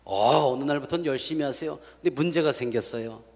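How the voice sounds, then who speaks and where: A male pastor telling a story in a sermon. He talks in an animated way and acts out the dialogue in different voices. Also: mid-range voice, a little fast, big-room sound.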